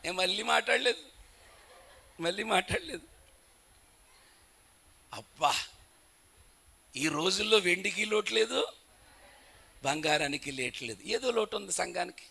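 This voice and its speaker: A man preaching a sermon, telling humorous stories and building to loud, emphatic declarations. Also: high-pitched, expressive, unhurried, vocal fry, pauses often, breathy edge.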